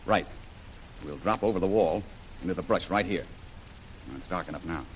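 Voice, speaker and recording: A man's voice: low voice, normal speed, slight background noise, natural voice, low-quality recording. An actor playing a bold, confident male jungle adventurer who takes charge in an old radio serial.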